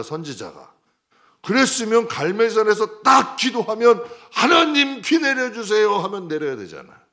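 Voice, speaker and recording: A male pastor preaching a midweek sermon in a conversational way, swinging between loud outbursts and soft asides, acting out prayers and dialogue. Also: mid-range voice. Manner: acts out prayers and dialogue in a raised voice.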